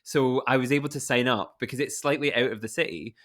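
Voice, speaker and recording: A man's voice: medium pitch, fast, a bit bright. A man with a Scottish accent hosting a podcast, chatting casually and enthusiastically, with lots of "like" fillers. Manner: rambling and enthusiastic, many fillers like "like". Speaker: podcast host.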